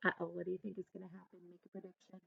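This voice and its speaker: A woman teacher reading a picture book aloud to children in an expressive way, pausing to ask listeners questions and coach them. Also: on the low side, vocal fry, narrow, tinny audio, a crowd in the background. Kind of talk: animated children's read-aloud with teaching asides.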